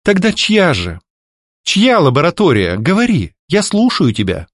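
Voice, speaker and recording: A proud young mistress of a haunted house, played by a man reading aloud. She mocks and scolds with a sharp, lilting voice that climbs high. The sound is dry and close to the mic. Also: wildly swooping pitch, a little slow, dry recording, full character voice. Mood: stern. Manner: mocking, scolding, ironic. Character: sharp-tongued young woman, lady of the house. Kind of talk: audiobook character voicing.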